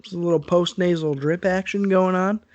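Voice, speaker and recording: A man's voice: high voice, steady tone, normal speed, a little mellow, dry recording, lo-fi sound. A man co-hosting a podcast, chatting casually and animatedly while congested with a sore throat, on his own microphone over an internet call. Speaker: podcast co-host. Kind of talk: casual chat.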